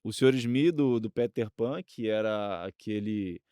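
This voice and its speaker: Male Brazilian interview guest, informal and hesitant explainer, smooth tone, close dry recording. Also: lowish voice, a little slow, mellow, dry recording. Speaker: guest radio researcher. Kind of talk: casual interview talk.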